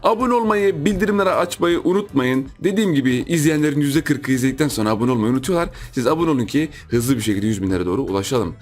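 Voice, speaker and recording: A man hosting a gaming channel, giving lively gameplay commentary, repeating himself and yelping in surprise while chatting to his viewers. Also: medium pitch, quick pace, few pauses. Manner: excitable, repeats phrases, shouts in surprise; chatty, addresses viewers as friends.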